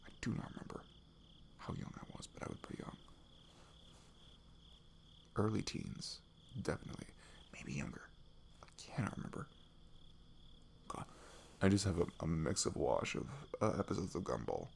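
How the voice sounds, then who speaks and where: A man acts out a young American guy as an affectionate best friend in a cozy ASMR roleplay. His voice sits fairly low with plenty of fry and moves in a lively way. He rambles casually, goofy and self-deprecating. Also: moderate pace, pauses often, slight background noise, heavily acted. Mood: relaxed, chatty. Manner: rambling, giggly, self-deprecating, drops into murmurs.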